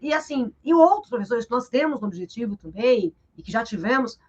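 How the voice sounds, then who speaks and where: A Brazilian woman teacher with a fairly high voice talks through a book in a live interview, animated and explanatory, often tagging her sentences with a questioning "né?". The sound is dull and lo-fi, like a webcam on a live stream. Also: fairly quick. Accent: Brazilian Portuguese. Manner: lively and explanatory, tags sentences with "né?". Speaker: literature teacher.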